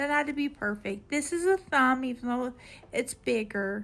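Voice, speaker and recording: A woman speaks loudly at a high pitch and a fairly slow pace, with ordinary pitch variation. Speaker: doll maker and crafting channel host. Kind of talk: tutorial. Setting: sun room at home.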